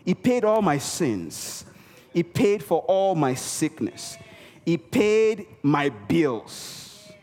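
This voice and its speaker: A man preaching with a slightly high voice, hammering home key words with repetition. He calls on the congregation to answer him. His voice rings with a long reverb from a large church hall. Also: big pitch swings, very slow, darkish tone. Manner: emphatic, repeats key words for effect; calls for audience response. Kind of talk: sermon.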